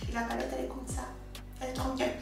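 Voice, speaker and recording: A woman's voice: high-pitched, completely flat delivery, rapid-fire, gravelly, music in the background. A young woman chatting casually to her viewers while doing her makeup, slangy and direct. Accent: French with English loanwords. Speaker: beauty vlogger. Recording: echoey room from a distant mic.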